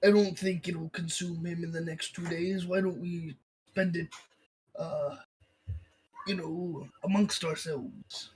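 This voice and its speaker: High-voiced joking man at the game table. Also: fairly even intonation, slow, a little mellow, a little hiss or hum, poor audio. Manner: joking, rambling with fillers. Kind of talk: tabletop role-play chat, partly in character.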